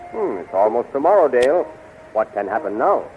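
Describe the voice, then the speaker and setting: An actor playing a chivalrous, lovestruck warrior prince in a 1930s radio serial, earnest and formal, on a tinny old recording. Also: male voice, medium pitch, big pitch swings, a little fast, a little hiss or hum, lightly acted. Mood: friendly.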